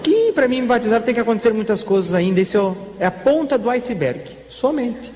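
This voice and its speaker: A man with a Brazilian Portuguese accent tells his conversion testimony in a high, mellow voice, acting out dialogue with a wry edge. The sound is dull and carries a long hall reverb over faint background noise. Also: brisk. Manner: animated storytelling full of quoted dialogue, wry. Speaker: church testimony speaker.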